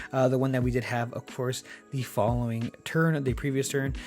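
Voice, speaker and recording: Over music in the background, the speaker talks at a fairly quick pace. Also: man. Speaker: card game commentator. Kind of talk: live commentary. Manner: fast.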